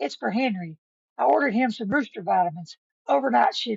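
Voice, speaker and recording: Using a put-on character voice, a woman speaks at a medium pitch with very wide pitch swings. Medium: read story.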